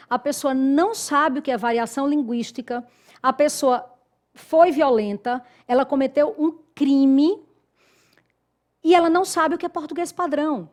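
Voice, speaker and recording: A woman's voice: a little high, darkish tone. Emphatic Northeastern Brazilian woman teacher. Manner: emphatic, indignant, direct address to students. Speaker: Portuguese teacher. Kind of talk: online grammar lesson.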